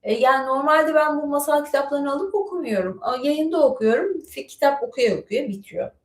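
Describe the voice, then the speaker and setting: A woman's voice: high voice, a little fast, roomy sound. A woman chatting casually on a live stream and reading aloud from a book, digressing freely with many fillers. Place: home studio with bookshelves.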